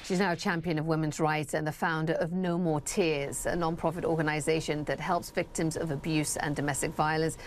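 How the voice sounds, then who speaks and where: A woman's voice: low-pitched, fairly even intonation, fairly quick, few pauses, slight background noise. A woman anchoring a news broadcast who introduces a guest and asks poised, probing questions. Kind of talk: news interview.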